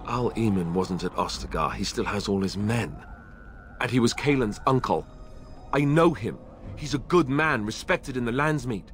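An actor playing an unsure, good-hearted young warrior in a fantasy game, speaking in an earnest, hesitant way. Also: male voice, mid-range voice, expressive, normal speed, natural voice. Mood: hopeful. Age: young adult.

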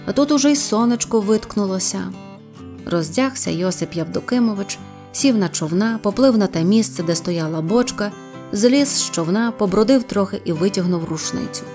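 A woman reading a humorous story aloud as a storyteller, lively and playful. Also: medium pitch, moderate pace. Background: faint guitar music.

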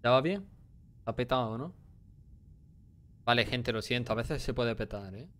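A man's voice: medium pitch, moderate pace, a bit bright. A young man with a Spain Spanish accent giving crude, swearing, laugh-prone commentary while streaming a horror game. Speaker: gameplay streamer. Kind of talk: casual horror let's-play commentary.

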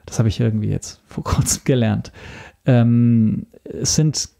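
Guy on a podcast, creaky relaxed voice, keeps repeating words while he thinks. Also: medium pitch. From Italy. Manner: halting, searching for words with repeated starts. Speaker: podcast guest. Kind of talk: casual interview talk.

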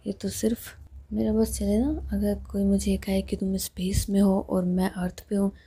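A devoted, teasing young woman in love, voiced by a woman narrator. Her voice is dark and husky and half whispered. She sounds like a figure in a homemade audio love story. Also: medium pitch, level tone, moderate pace. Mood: affectionate.

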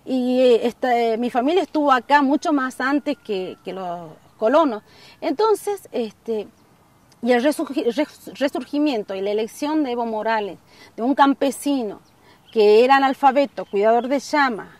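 A middle-aged woman gives an earnest outdoor interview, pausing on fillers as she works through her points. Her voice sits fairly high, and it is picked up from a bit of a distance in an open field. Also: animated, a little mellow, no room sound. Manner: earnest, gesturing, many fillers. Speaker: community member interviewed. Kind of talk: documentary interview. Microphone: camera at a distance.

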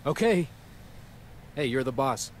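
A man's voice: medium pitch, sing-song, unhurried, slight background noise. A man voicing a self-assured male wrestling champion in a video game, dry and wry.

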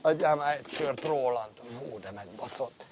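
A man working as an electrician, grumbling and cursing nonstop while he works. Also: mid-range voice. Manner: crude nonstop swearing, grumbling. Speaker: electrician at work. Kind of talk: amateur workplace banter. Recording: noisy amateur video recording.

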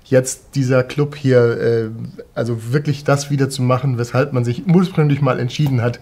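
A man's voice: medium pitch, steady tone, moderate pace, warm tone. A man in his forties, a band musician, speaking to fans from a backstage room in an enthusiastic, emotional way, struggling for words. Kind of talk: casual address to fans.

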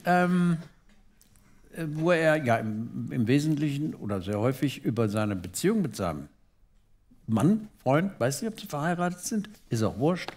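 A man's voice: medium pitch, big pitch swings, normal speed, a little mellow. A man co-hosting a show, chatting loosely with fillers, then reading funny diary entries aloud with dry comic timing. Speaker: co-host reading comic literature.

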